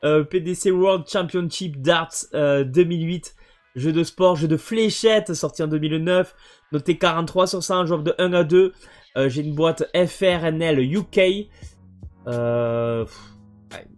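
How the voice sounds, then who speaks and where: Man, game collector, casual presentation, hesitant fillers, slightly higher voice, faint background music. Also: unhurried, darkish tone. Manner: hesitant, many fillers and restarts.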